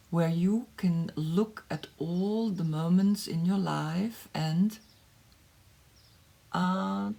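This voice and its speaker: A tarot reader speaks slowly and softly, often dropping into a whisper. Her low voice is husky, with a gravelly fry. She thinks aloud as she goes. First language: German. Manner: slow, soft, drifting into whispers, thinking aloud. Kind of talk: meditative tarot reading, partly translated.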